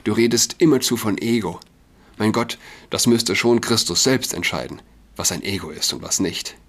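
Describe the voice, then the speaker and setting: A man voicing a sharp-tongued young man lecturing his sister in an emphatic, impatient way, reading a novel aloud. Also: lowish voice, moderate pace.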